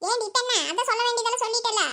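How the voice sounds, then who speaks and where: A bossy old village mother-in-law in a cartoon, as a woman voices her, who fires off teasing scolds at a breakneck clip. Her voice sits very high and thin, and she barely pauses between jabs. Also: steady tone, sharp tone. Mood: scolding. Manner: teasing and scolding, quick retorts. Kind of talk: cartoon voice acting.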